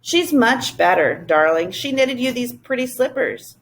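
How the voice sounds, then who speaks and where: A woman voicing a gentle mother who speaks softly and chides mildly. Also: on the high side, lively intonation, measured pace, pitched above the performer's own voice, rough recording. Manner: gentle, soft-spoken.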